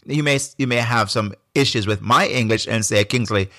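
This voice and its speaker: A man from Jamaica with a Jamaican accent, hosting a solo podcast in a reflective, unhurried way with frequent restarts. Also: lowish voice, sharp tone, no room sound, studio quality. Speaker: podcast host.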